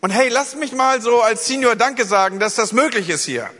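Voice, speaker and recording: Middle-aged male pastor, high bright voice, lively direct address, reverberant church hall. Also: moderate pace. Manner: lively, addresses congregation directly with frequent "okay?" and "ne?". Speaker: senior pastor. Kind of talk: live church sermon.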